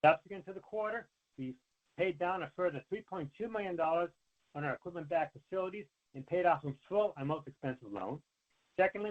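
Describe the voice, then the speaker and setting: A man, a company finance executive, reading prepared earnings remarks in a formal, measured way over a conference call line. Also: fairly high pitch. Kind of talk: scripted earnings call presentation. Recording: narrow, tinny conference phone line.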